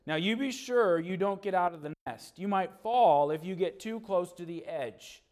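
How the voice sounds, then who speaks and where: A man's voice: high voice, animated, moderate pace, darkish tone. A man voicing a stern father eagle in a spoken storybook, with a firm, warning manner.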